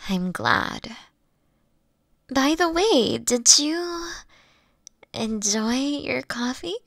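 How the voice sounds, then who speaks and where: Playful kitsune witch girlfriend, played by a woman: affectionate, teasing, high creaky voice, very close dry roleplay audio. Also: sing-song, drawn-out words, a bit bright, dry recording, heavily acted. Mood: sweet, affectionate.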